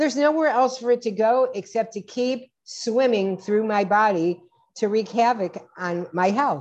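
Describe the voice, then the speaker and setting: In an American accent, a woman with a fairly high pitch and lively intonation speaks at a fairly slow pace in an unremarkable speaking voice. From Ohio (Cleveland), US Midwest. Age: 60s. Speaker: wellness coach and podcaster. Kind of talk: casual chat.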